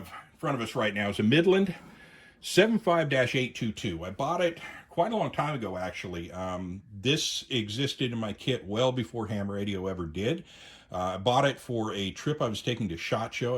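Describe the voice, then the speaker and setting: A man's voice: on the low side, slightly rough. A man hosting a casual gear review video, talking conversationally and often hesitating and correcting himself. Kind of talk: casual product demonstration.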